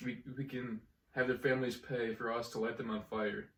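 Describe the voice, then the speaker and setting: A man's voice: medium pitch, flat delivery, fairly quick. A young man co-hosting a podcast, chatting casually and joking with a friend, laughing often. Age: young adult. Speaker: podcast co-host. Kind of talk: casual chat. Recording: echoey room, mic at a distance.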